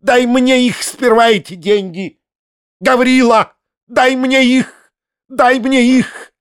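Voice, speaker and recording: Brief: pompous middle-aged male hypocrite, read by a man, shrill squealing indignation, very high, dry sound. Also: big pitch swings, slow, dry recording, heavily acted. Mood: shrieking indignation. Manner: affectedly weak, self-righteous.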